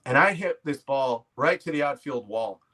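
A man's voice: medium pitch, lively intonation, moderate pace, pushed and bright. A man in his forties with a Canadian accent, telling anecdotes in a casual, self-deprecating way as an interview guest. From Quebec, Canada. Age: 40s. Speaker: podcast guest, comedy actor and writer. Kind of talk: casual conversational storytelling.

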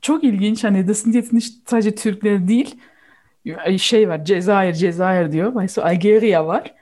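Mellow woman chatting casually. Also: medium pitch, normal speed. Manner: switches between Turkish and German mid-sentence. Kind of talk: casual chat, explaining a film.

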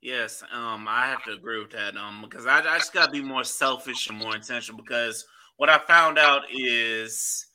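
A man hosting a podcast in casual chat, loose and profane and quick to laugh. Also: medium pitch, sharp tone. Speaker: podcast host.

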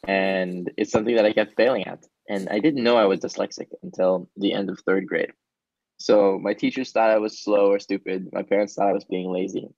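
Low-voiced man, Hebrew native, plain talk. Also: steady tone, fairly quick, a little mellow, no echo, lo-fi sound. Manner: casual, earnest, with frequent ums. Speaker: startup founder. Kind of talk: interview answers.

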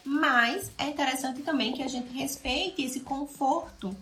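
A Brazilian woman teaching parents on a live stream about playing with children, talking in an animated way and acting out playful narration. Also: high voice, a little slow, echoey room. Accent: Brazilian Portuguese. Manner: animated, acts out playful narration with loud swings. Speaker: child development educator.

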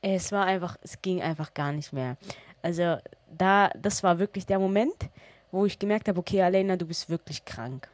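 A woman's voice: lowish voice, normal speed, a little mellow, no echo. A woman in her twenties from Germany, hosting a podcast and chatting casually through a storytime with lots of quoted dialogue. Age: 20s. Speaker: podcast host.

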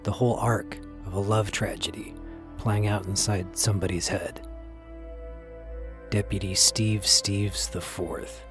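A man reading scripted podcast narration in a reflective, wry, measured way, like a storyteller. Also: on the low side, fairly even intonation. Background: music.

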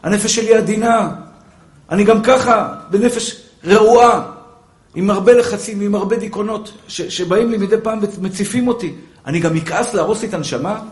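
A man preaching a sermon as a rabbi, fervent and pleading, who addresses listeners as brothers and dear souls and drops into soft, coaxing asides. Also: high voice, roomy sound. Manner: calls listeners "my brother" and "pure soul".

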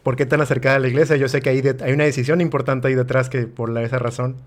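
A man's voice: medium pitch, flat delivery, racing. A man co-hosting a podcast, thoughtful and a bit hesitant as he speaks. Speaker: podcast co-host. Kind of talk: casual podcast interview.

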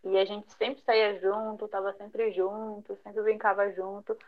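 A woman's voice: medium pitch, little pitch movement, a little slow. A young woman chats as a podcast guest, filling her talk with small fillers and brief laughs. Her voice sits mid-range for a woman. The sound is a little dull and lo-fi. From São Paulo, Brazil. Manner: chatty, many fillers, light laughs. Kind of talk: conversational interview.

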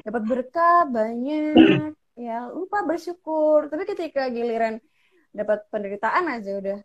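A woman hosting a casual Christian talk, asking her guest questions and prompting with soft hums. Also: on the high side, lively intonation, measured pace, lo-fi sound, a crowd in the background. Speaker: host.

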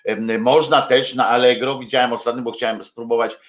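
A man's voice: medium pitch, fairly even intonation, a little fast. A man hosting a livestream, chatting casually with viewers in a hesitant, rambling way full of filler sounds and restarts, with jokey asides. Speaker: livestream host.

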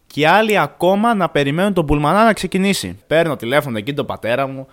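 A man's voice: a little high, expressive. A man in his twenties from Thessaloniki, telling a story in a casual way, acting out the dialogue and swearing now and then. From Thessaloniki, Greece. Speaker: vlogger.

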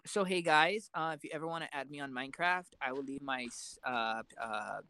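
A woman's voice: rumbling low, fairly quick, bright, forceful tone. Giggly young woman rambling with lots of fillers. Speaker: podcast co-host. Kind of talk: casual chat.

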